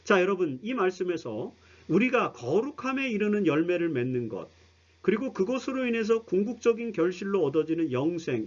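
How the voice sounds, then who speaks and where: Husky-voiced man teaching a Bible lesson. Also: high voice, lo-fi sound. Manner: earnest explanatory preaching, addresses listeners directly. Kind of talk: broadcast Bible study lecture.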